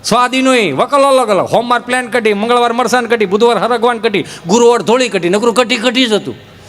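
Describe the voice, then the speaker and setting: Folksy comic storyteller. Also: male voice, extremely high pitch, a little fast, long reverb tail. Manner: folksy, lively, acts out village characters. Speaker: stand-up comedian. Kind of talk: folk humor storytelling on stage.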